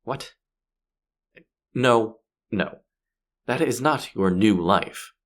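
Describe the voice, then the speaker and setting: A man playing a gruff, sardonic space pirate who is grudgingly softening, in a scripted sci-fi audio roleplay spoken to the listener. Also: fairly low pitch, drawn-out words. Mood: exasperated, defensive. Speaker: voice actor.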